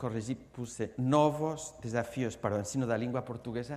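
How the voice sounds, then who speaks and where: A man speaks with ordinary pitch variation. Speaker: professor and education researcher. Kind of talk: lecture. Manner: halting, with many hesitations.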